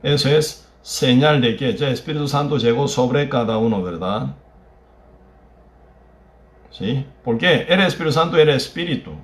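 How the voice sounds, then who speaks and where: A Korean man who is a native Korean speaker preaches a sermon with a Korean accent. He speaks in halting, broken phrases and keeps adding tag questions. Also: medium pitch, echoey room. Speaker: pastor. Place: church.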